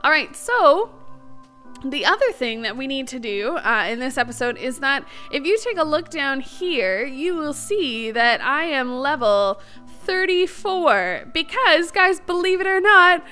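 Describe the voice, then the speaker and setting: A woman's voice: high voice, big pitch swings, measured pace, sharp tone, faint music behind. A woman giving casual let's-play commentary as the host of a gaming series, chatty, bubbly and enthusiastic.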